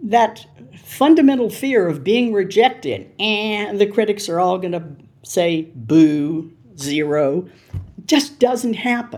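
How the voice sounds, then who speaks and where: A woman's dark, mellow tone with vocal fry, very wide pitch swings and a very slow pace. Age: 80s. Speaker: author and improv teacher. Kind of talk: casual interview chat.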